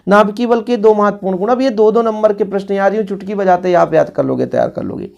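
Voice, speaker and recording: A man's voice: high voice, fast, gravelly, darkish tone, muffled recording. A male physics teacher, going over exam revision questions in a casual, brotherly tone and talking straight to his students.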